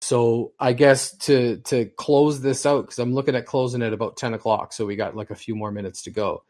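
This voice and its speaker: A man's voice: medium pitch, fairly even intonation, fairly quick, darkish tone. A man in his forties hosting a casual podcast chat, rambling through long stories at an easygoing clip. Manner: rambling storyteller. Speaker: podcast host.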